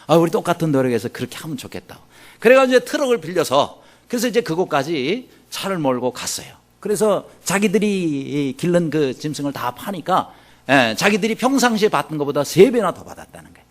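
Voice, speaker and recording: A man preaching a sermon, telling a story with lively acted-out dialogue. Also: a little high, brisk. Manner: animated storyteller acting out quoted dialogue. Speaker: pastor.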